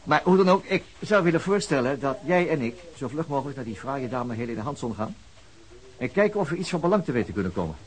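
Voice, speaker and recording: Guy doing a gruff veteran dutch cop in his fifties, lively rise and fall, blunt and bossy. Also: medium pitch, fast, lightly acted, poor audio. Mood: musing. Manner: blunt, musing, then commanding. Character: veteran male police detective, fifties, stubborn and firm. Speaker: detective. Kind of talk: Dutch radio drama acting.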